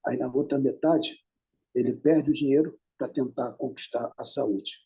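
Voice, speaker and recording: A man in a study group discussion, speaking in a relaxed, folksy way. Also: medium pitch, normal speed, breathy edge, dull audio.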